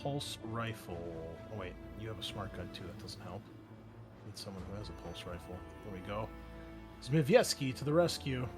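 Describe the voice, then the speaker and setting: A man's voice: lowish voice, animated, moderate pace, music in the background. A man working as game master, narrating and refereeing a tabletop roleplaying game in a casual way.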